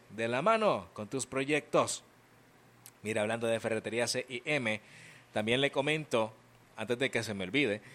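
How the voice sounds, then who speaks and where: A young Salvadoran man hosting an afternoon radio show, chatting, reading listener greetings and ads while fighting a cold and sore throat. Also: medium pitch. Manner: chatty, self-joking, reads listener messages. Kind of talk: casual radio chat and read ads. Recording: radio broadcast with music behind.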